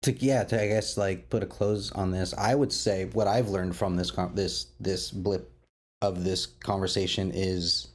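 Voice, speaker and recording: Male podcast host, lowish voice, casual and keen, often restarting his thoughts. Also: steady tone. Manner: enthusiastic, halting and repeating. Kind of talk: casual roundtable chat.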